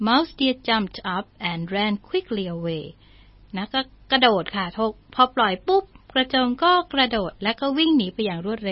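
A woman reads a folk tale aloud at a very slow, careful pace, pausing to explain words for her listeners. Her voice sits a little high. The recording is dry and close, with a slightly muffled, lo-fi tone. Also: no echo. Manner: slow, deliberate, translating each English line into Thai; polite, with frequent polite particles. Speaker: English teacher telling bilingual stories. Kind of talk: bilingual storytelling lesson.

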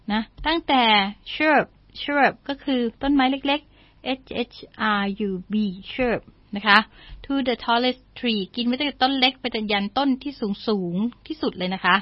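A woman's voice: a little high, no echo, dull audio. A woman teaching English through a story, reading lines aloud, then explaining and spelling out words in a polite, patient manner. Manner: frequent polite particles, slow careful reading. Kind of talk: bilingual storytelling lesson.

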